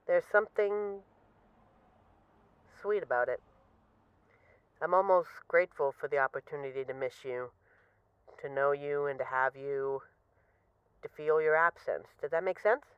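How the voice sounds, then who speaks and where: A woman's voice: sits low, unhurried, long pauses, clear, resonant tone, no echo, muffled recording. A woman acting as a bored, restless mafia boss who misses a partner, talking in a wry, dramatic, rambling way in an intimate voice-message roleplay. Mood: wistful, tender.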